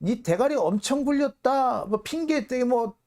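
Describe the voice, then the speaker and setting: A man acting out a blustering, swearing middle-aged businessman who bullies and shouts. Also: very high-pitched, lively intonation, measured pace, voice pushed up, exaggerated voice. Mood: furious. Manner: shouting, coarse, bullying.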